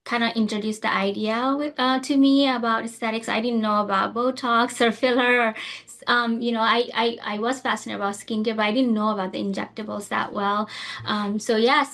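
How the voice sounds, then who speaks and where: A woman's voice: fairly high pitch, fairly bright tone. A woman from Nepal, a nurse practitioner, answering interview questions casually with many fillers and restarts.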